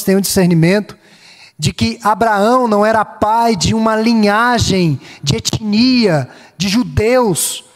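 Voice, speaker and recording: A Brazilian man with a Minas Gerais accent preaching a sermon as pastor, in a measured cadence that lists phrases slowly and rises on key words. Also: extremely high pitch, big-room sound. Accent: Brazilian Portuguese, Minas Gerais.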